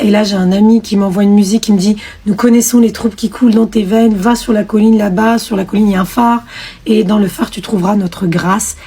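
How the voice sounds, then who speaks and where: A young woman telling her personal testimony with emotion, acting out the dialogue she recalls and pausing on fillers. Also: medium pitch, mellow, breathy edge.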